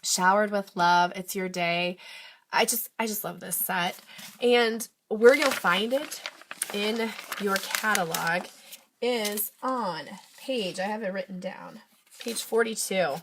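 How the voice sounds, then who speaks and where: A middle-aged woman, a bit raspy after being sick, hosting a live craft demonstration in a chatty, enthusiastic way with many fillers. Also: medium pitch, slow pace, noisy background. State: raspy from recent illness. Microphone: phone or tablet livestream.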